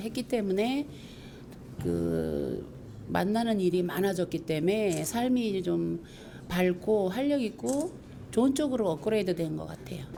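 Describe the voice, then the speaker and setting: In a room with audible echo, a woman with a medium pitch and a dark, mellow tone talks at a very slow pace. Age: 60s. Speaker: blogging instructor. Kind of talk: interview.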